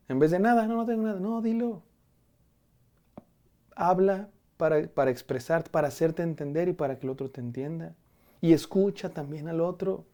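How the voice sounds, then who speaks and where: A man's voice: on the high side, warm tone. A middle-aged man preaching a devotional sermon to a camera, earnest and conversational, often restarting and repeating his words. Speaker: pastor. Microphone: camera framing, speaking to camera.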